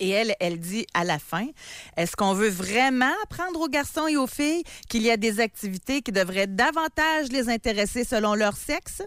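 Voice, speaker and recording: A woman speaks in a fairly high voice with very wide pitch swings. The sound is dry with no echo, and the background is quiet. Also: moderate pace. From Quebec. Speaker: radio co-host. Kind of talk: call-in radio show. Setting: studio. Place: studio.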